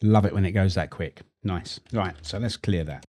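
A middle-aged man hosting a screen-recorded tech tutorial, chatty and relaxed, repeating words as he works. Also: low voice, moderate pace.

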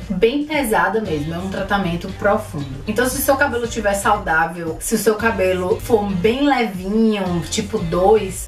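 A young adult woman from Brazil talks through a hair product review in an upbeat, chatty way. Her voice sits at a middle pitch and reaches the mic from a short distance. The room rings noticeably, with soft music underneath. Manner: enthusiastic, chatty, addresses viewers as gente. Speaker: beauty vlogger. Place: indoor room with lilac backdrop. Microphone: camera in front at chest-up framing. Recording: echoey room, voice a bit off-mic, faint music.

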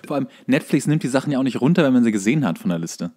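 A man's voice: medium pitch, lively intonation, racing, warm tone. A man co-hosting a casual chat podcast, explaining things in a colloquial way. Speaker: podcast co-host. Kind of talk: casual chat about series.

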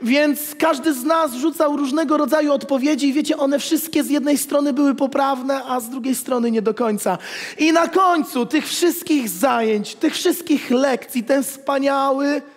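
High-voiced pastor preaching in a reverberant church. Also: male voice, moderate pace. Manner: animated, gestures while preaching, jokes with the congregation. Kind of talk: sermon. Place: church hall with congregation. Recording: long reverb of a church hall.

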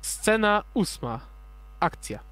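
A woman's voice: medium pitch, big pitch swings, takes it slowly, a bit bright. A young woman casually giving cues and instructions during a studio recording session. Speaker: recording director. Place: small academic radio studio. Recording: noisy studio with clicks.

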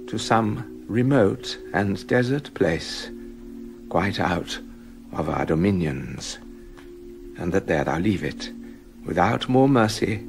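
A man's voice: on the low side, creaky, exaggerated voice. An older actor playing a jealous, tyrannical king in a radio drama, commanding and stern. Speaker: King Leontes.

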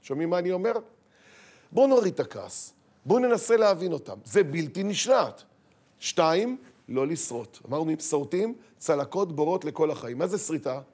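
A man lecturing parents as a rabbi, dramatic, acting out scolding voices and swinging from loud to hushed. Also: fairly high pitch, very animated, husky. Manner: dramatic, acts out scolding parents and teens, shifts from shouting to hushed. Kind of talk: sermon.

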